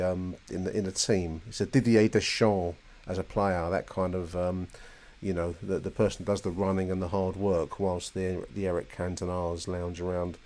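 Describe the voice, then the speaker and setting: A man's voice: low voice, a little mellow. A man hosting a football podcast, rambling thoughtfully and often hesitating and repeating words.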